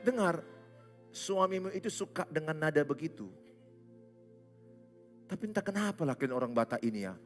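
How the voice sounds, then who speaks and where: A man's voice: on the high side, expressive, moderate pace, pauses often, faint music behind. A man from Indonesia, preaching a humorous sermon as a pastor, often acting out little dialogues. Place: church stage.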